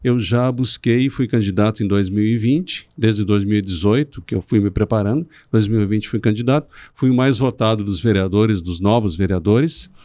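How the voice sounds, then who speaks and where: A middle-aged man from southern Brazil, a city councilman guest on a podcast, speaking in a measured, speechifying way with some restarts. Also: on the low side, mellow, no room sound. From Rio Grande do Sul, Brazil. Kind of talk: podcast interview.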